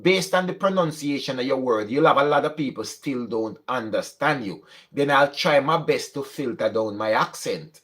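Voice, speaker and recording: A man's voice: on the high side, a bit bright. A young man from Jamaica with a strong Jamaican accent, chatting casually to his channel and slipping between standard English and patois. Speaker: channel host. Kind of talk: casual vlog monologue.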